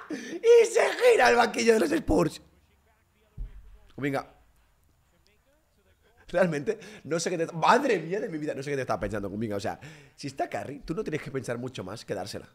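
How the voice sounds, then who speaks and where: A young man giving excitable live reaction commentary on a basketball game, bursting into shouts. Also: mid-range voice, breathy edge.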